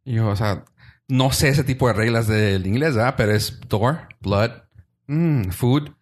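A man with a Mexican Spanish accent chatting casually as a podcast co-host, slangy and animated, jumping into high-pitched imitations. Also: measured pace. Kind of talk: casual chat.

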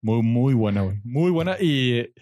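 Mexican podcast co-host, laid-back slangy man, mid pitch, dry mic. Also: lively intonation, moderate pace, mellow, no room sound. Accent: Mexican Spanish. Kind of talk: casual chat among friends.

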